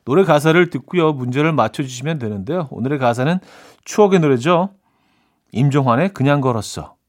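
A man's voice: medium pitch, expressive, brisk. A man hosting a radio quiz show, reading scripted lines in a playful, announcer-like way.

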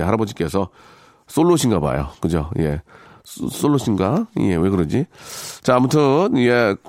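Korean-language male radio host, lively intonation, dry sound. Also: medium pitch, no echo. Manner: polite, conversational, rambling asides. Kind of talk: reading listener stories and commenting, casual radio talk. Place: radio studio.

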